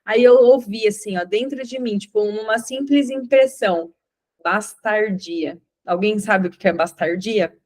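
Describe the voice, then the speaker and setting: A young Brazilian woman teaches an informal Christian class in a mid-pitched voice. She tells her story as a lively storyteller, acting out the dialogue she quotes. She keeps turning to her listeners with quick checking questions. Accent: Brazilian Portuguese. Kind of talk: informal Bible class with a personal testimony.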